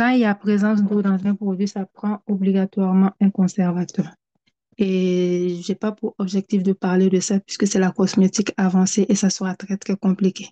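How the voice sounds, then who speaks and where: At a moderate pace, a dark, mellow, somewhat breathy voice speaks in a flat monotone, recorded dry and close with no echo. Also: woman, medium pitch for a woman. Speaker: skincare instructor. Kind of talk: tutorial. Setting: recorded on computer.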